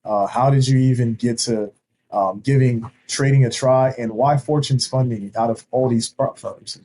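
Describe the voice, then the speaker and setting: A man's voice: mid-range voice, fairly even intonation, moderate pace, dark tone, a little hiss or hum. A man from Haiti hosting a casual podcast interview over a video call, talking in a hype, slangy way. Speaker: podcast host.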